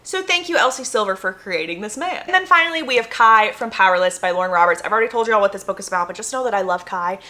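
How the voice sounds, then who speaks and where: A woman's voice: mid-range voice, expressive, fast, hardly any pauses, bright, forceful tone. A young American woman chatting casually and enthusiastically to her viewers, gushing and emphatic, repeating phrases for effect. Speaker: book reviewer vlogger.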